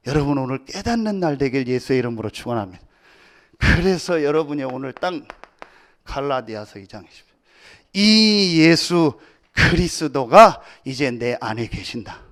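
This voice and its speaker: A man preaching a Sunday sermon as pastor, building to loud emphatic declarations, asking for amens, and dropping into quiet storytelling between them. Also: medium pitch.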